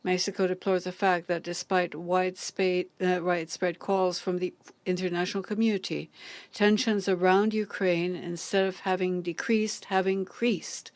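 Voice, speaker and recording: Woman interpreting a diplomat's speech, lowish voice, careful and halting with lots of uhs, dry close sound. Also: flat delivery, no room sound. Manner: measured and deliberate, with frequent hesitant fillers. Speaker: conference interpreter.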